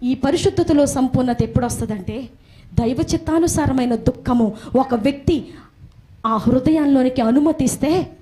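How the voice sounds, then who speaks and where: A woman's voice: high voice, moderate pace, mellow. A woman preaching a sermon emphatically, repeating phrases for stress.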